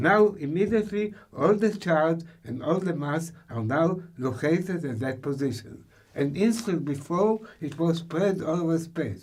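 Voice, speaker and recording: A high-pitched man with lively intonation at a moderate pace, in a room with audible echo. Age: 80s+. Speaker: physicist. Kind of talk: scientific dialogue.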